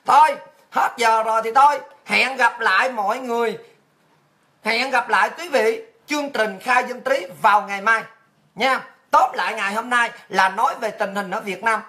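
A Vietnamese woman hosting a livestream show launches into an abusive, mocking rant packed with rhetorical questions. Her voice sits a little high and sounds pushed and bright.

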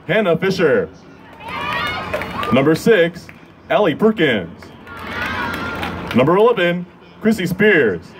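A young man works as a public address announcer at a sports game, speaking into a handheld mic. His voice sits high for a man and moves in a very animated way through formal, scripted introductions. Crowd and background noise are clearly audible behind him. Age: 20s. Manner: formal, measured, drawn-out names. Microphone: handheld microphone held close.

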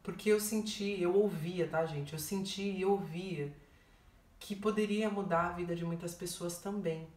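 A woman's voice: fairly low pitch, fairly even intonation, a little slow, a little mellow, roomy sound, recorded from a distance. A woman telling a heartfelt personal story to her viewers, often repeating herself and calling out to them directly. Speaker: vlogger. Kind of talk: emotional personal testimony.

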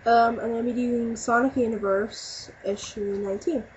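A woman's voice: a little high, steady tone, moderate pace, darkish tone. A woman speaking casually and hesitantly as an amateur voice actor introducing herself. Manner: hesitant, offhand. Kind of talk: casual, unscripted intro and asides. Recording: muffled home recording with faint noise.

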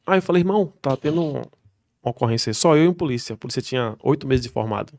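A man, a military police soldier, telling slangy, animated stories on a podcast. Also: medium pitch, very fast. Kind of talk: podcast storytelling.

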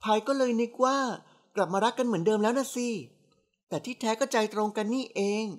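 A woman's voice: on the high side, a little fast, pitched above the performer's own voice, natural voice. A woman reading a novel aloud, voicing a playful, sassy young woman who teases her aunt. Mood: coaxing. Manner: bright, coaxing and sassy. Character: playful cheeky young woman, teasing niece.

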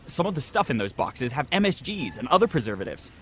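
A man's voice: mid-range voice, very animated, quick pace, fairly bright tone, slight background noise. A man playing a breezy, obliviously self-assured slacker stock boy in a comedy audio sketch. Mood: breezy, self-justifying.

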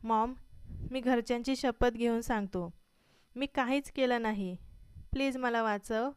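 A woman's voice: fairly high pitch, fairly even intonation, moderate pace, clean tone, dry recording, studio quality, close to an everyday voice. A woman voicing a scared, tearful young man. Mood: pleading, tearful. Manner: pleading, crying.

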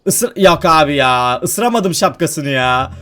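A young man giving excitable let's-play commentary, often laughing and shouting as he plays, with faint game music behind. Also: a little high, unhurried. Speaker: gaming YouTuber.

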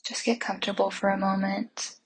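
A woman leading a Christian guided meditation in a soft, breathy voice, soothing and unhurried, with gentle instructions and long pauses. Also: mid-range voice, level tone, rough recording.

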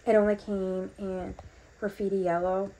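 A woman's voice: mid-range voice, level tone, normal speed, mellow, a little hiss or hum, rough recording. A woman casually narrating a home unboxing in a bathroom, rambling with lots of ums, her voice still recovering from being lost. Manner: chatty, rambling with many ums. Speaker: vlogger.

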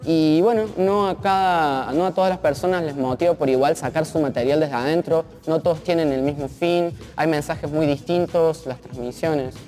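A man's voice: fairly high pitch, moderate pace, few pauses, a little mellow, faint music behind. A man in his twenties with a Cordobese Argentine accent, chatting casually and reflectively, slangy and tentative as he searches for words. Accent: Cordobese Argentine Spanish. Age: 20s. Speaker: interview guest, freestyle rapper. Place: large art gallery, indoors.

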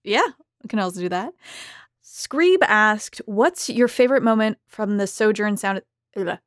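A woman's voice: mid-range voice, expressive, a little slow, dry recording, studio quality. A woman hosting a casual roundtable, chatting and putting questions to her guests. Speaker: host, moderator. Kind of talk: casual chat, reading out questions.

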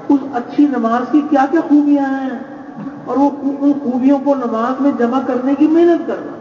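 A man preaching a sermon, measured and exhorting, repeating key phrases. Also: extremely high pitch. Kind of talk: religious sermon. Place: large gathering space. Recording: echoey, distant, dull lo-fi with faint noise.

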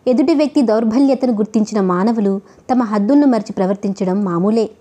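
A woman voicing a kindly, world-weary old male chauffeur who speaks in a gentle, consoling way. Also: medium pitch, a little fast, lightly acted.

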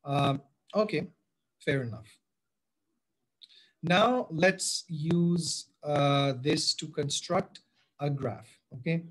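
A biology teacher with a South Asian accent narrates a screen-recorded tutorial, speaking directly to pupils and switching between English and Hindi-Urdu. His fairly bright voice is fairly high, extremely slow and full of pauses. The recording quality is low.

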